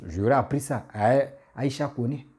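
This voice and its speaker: A man's voice: medium pitch, normal speed, a little mellow, slightly rough. A man who has a cold, giving a casual, insistent political rant that scolds his listeners. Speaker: political commentator.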